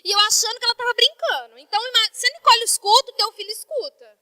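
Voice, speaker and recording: A woman pastor from Brazil preaches with a very high, bright, sharp voice. The sound is dry and close, with no room around it. She talks to the congregation in a chatty, heartfelt way. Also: quick pace, no room sound. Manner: conversational, emotional preaching with quoted dialogue. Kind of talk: sermon.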